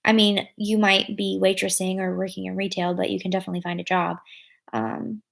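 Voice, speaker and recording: A woman's voice: mid-range voice, little pitch movement, a little fast, vocal fry, a bit bright. A young adult woman chatting casually to her viewers, rambling with lots of fillers and correcting herself as she goes. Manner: thinks aloud and corrects herself. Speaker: vlogger answering viewer comments. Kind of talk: casual live chat.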